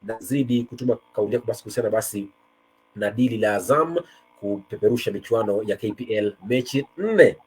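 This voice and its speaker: A Kenyan sports show host presents a conversational football talk show, switching between Swahili and English. His voice is lowish, fast, dark and husky, with faint music in the background.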